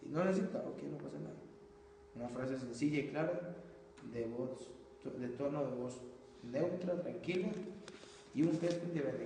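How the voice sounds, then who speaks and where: A man's voice: fairly high pitch, creaky, a little mellow. A man, a pastor, teaching church teachers in an earnest, conversational way, often calling his listeners brother. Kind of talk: informal church teaching talk. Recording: echoey hall, distant mic, faint noise.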